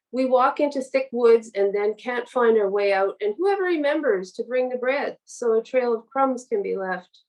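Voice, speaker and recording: A woman's voice: fairly high pitch, a little mellow, far from the mic, poor audio. A woman guest author speaking on a literary podcast. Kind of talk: literary reading and podcast conversation.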